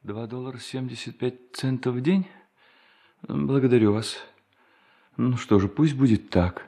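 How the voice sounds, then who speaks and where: A man's voice: medium pitch, a little slow, gravelly, mellow. An actor playing a tormented, obsessive man confessing to theft, frantically repeating his words in a theatrical audio drama. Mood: broken, meek.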